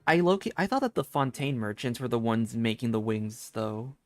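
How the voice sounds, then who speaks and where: A man giving casual, slangy, sweary commentary as he streams a game playthrough, musing out loud. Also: mid-range voice, normal speed, no echo, faint music behind. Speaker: gaming streamer.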